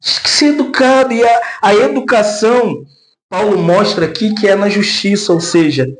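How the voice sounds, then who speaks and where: A man preaching a lively sermon, acting out quoted voices and laughing often. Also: normal speed, roomy sound. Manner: says of himself he speaks in a deep, gruff way. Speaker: pastor.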